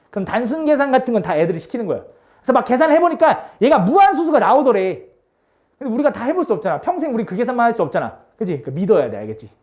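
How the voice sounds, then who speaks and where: A woman's voice: on the high side, darkish tone. A woman teaching a math class, coaxing and teasing her students with constant check-in questions.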